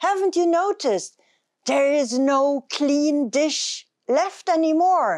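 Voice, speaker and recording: A woman's high-pitched voice at a very slow pace against a quiet background. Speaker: storyteller. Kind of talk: storytelling, folk tale told aloud in a gentle fireside style. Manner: animated, voicing the husband's complaint and explaining old ways to the listener. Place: home room.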